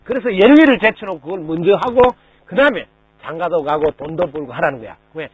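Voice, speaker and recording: Animated high-voiced monk giving a talk. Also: male voice, quick pace, husky, no room sound, poor audio. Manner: lively storytelling, rhetorical questions, mimics people in quotes. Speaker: Buddhist monk. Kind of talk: dharma talk to a lay audience.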